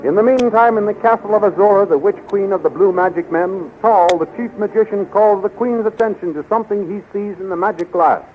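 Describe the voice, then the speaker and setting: A man's voice: sits high, brisk, few pauses. A man narrating a 1930s radio adventure serial as announcer, in formal, dramatic scripted declamation. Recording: tinny, faintly noisy 1930s radio recording.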